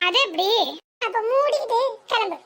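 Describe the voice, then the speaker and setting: A piercingly high, sarcastic young daughter-in-law, voiced by a woman snaps back in a cartoon comedy. Her southern Tamil Nadu accent and quarrelsome needling run through every line. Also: expressive, moderate pace, a bit bright.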